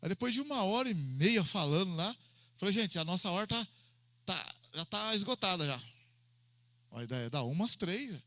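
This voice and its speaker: A male pastor with a Mineiro accent delivers an animated sermon, his pitch swinging widely as he acts out dialogue. His voice is bright and forward, and the sound is dry and close. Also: moderate pace, no echo. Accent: Mineiro Brazilian Portuguese. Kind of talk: sermon with storytelling.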